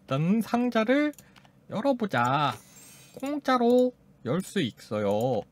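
A woman's voice: medium pitch, big pitch swings, slow pace, a little hiss or hum. A woman casually commenting on a mobile game she is playing, cheering the robot on and voicing sound effects as she goes. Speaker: gaming YouTuber.

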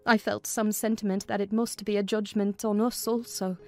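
A woman narrates a literary story as a dramatized audiobook. Her pitch is medium, and music plays faintly behind her. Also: level tone, moderate pace.

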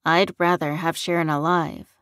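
A woman's voice: deep voice, little pitch movement, moderate pace, a bit bright, no echo, clean studio sound. Woman acting a tired, earnest man. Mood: defensive. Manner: sympathetic, earnest, mildly annoyed. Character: tired, concerned man defending himself to an accuser.

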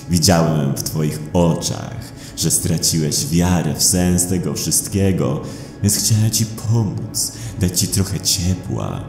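Dark otherworldly bargainer, played by a male narrator, calm and reproachful, deep, unhurried, horror audio drama. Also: reverberant, heavily acted. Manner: calm, accusing.

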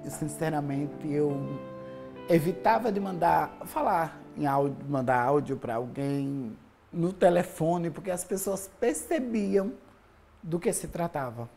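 A woman's voice: low-pitched, animated, measured pace, gravelly, mellow, faint music behind. A woman giving a candid personal interview testimony as a patient.

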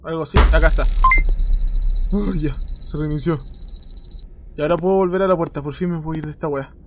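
A man's voice: a little high, fairly even intonation, brisk, noisy background. A young man with a Chilean accent giving let's play commentary on a horror game, swearing often and yelping in fright. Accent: Chilean Spanish. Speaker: gaming youtuber.

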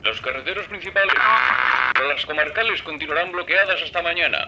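A man plays a radio announcer giving a storm bulletin. The voice is high and brisk, heard through a radio with clear noise. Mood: brisk, formal. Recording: noisy radio broadcast sound.

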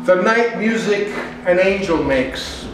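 A middle-aged man gives a dramatic, incantatory poetry reading in a very echoey gallery. He speaks slowly and deliberately, repeating phrases like a chant. An electric guitar plays clearly behind his voice, picked up from a distance. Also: high voice, animated. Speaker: poet reading his own work. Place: small indoor art gallery before an audience. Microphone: distant camera. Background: electric guitar with effects.

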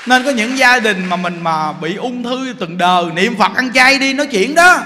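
A man with a Southern Vietnamese accent giving a Buddhist sermon as teacher, telling stories in an animated, joking way. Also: very high-pitched, normal speed, some chatter behind. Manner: animated, joking storyteller, laughs often. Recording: echoey hall, faint noise.

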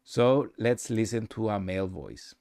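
Low-voiced man presenting a tutorial. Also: animated, unhurried, a little mellow, no echo, studio quality. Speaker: presenter of a software demo. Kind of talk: casual screen-recorded tutorial narration.

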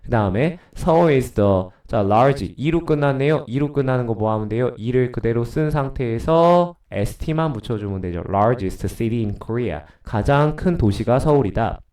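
A man's voice: medium pitch, lively intonation, unhurried, hardly any pauses, a little mellow, recorded from a distance. A middle-aged man with a cold and a stuffy nose, teaching English grammar to middle schoolers in a recorded lecture, chatty and answering his own questions.

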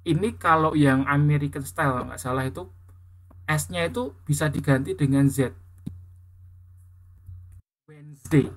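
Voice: medium pitch, normal speed. A teacher from Indonesia giving an English lesson, patiently explaining words and correcting pronunciation, repeating them again and again.

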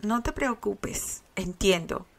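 A woman's voice: medium pitch, expressive, slow pace, creaky. Candy, as a woman reader voices her, a sweet bashful girl. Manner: earnest, shy.

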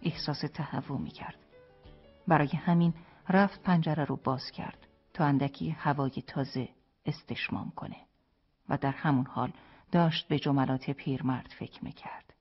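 An audiobook narrator reading a literary story in a soft, hushed, often whispery voice. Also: medium pitch, fairly even intonation, breathy edge, lo-fi sound, soft background music.

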